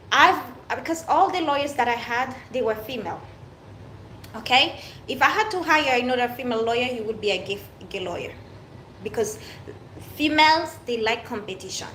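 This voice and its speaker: A woman's voice: on the high side, bright, forceful tone, roomy sound, a little hiss or hum, poor audio. A woman from Haiti, raised in France, speaking with a French-tinged accent in an unscripted personal monologue to her viewers, emphatic and repetitive with frequent restarts. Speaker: vlogger.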